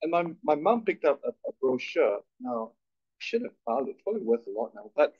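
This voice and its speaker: A man's voice: medium pitch, very animated, a little fast, a little mellow, husky. A middle-aged man from Malaysia talks through his story in a chatty, self-deprecating way, often restarting his sentences. The recording sounds muffled and lo-fi. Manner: chatty, self-deprecating, many repeated starts. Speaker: guest speaker. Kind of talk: conversational interview on stage. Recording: dull lo-fi recording.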